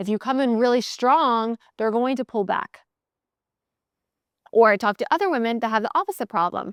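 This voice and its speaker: Lively intonation and long, frequent pauses in a dry, close sound with no echo, on a very clean recording with a silent background. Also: woman, fairly high pitch for a woman. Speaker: sales coach and podcast host. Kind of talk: solo podcast, coaching talk. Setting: video podcast. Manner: fast; animated.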